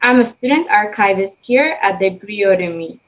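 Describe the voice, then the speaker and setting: A woman's voice: mid-range voice, lively intonation, moderate pace. A young woman from Ethiopia, a student archivist, giving a careful prepared speech. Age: young adult. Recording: tinny phone-like line.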